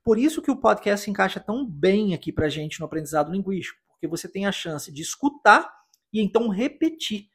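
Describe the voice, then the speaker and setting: A Brazilian man with a Brazilian Portuguese accent hosting a podcast English lesson, explaining slowly and patiently and repeating phrases for the listener. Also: high voice, lively intonation, slightly rough. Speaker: English teacher and podcast host.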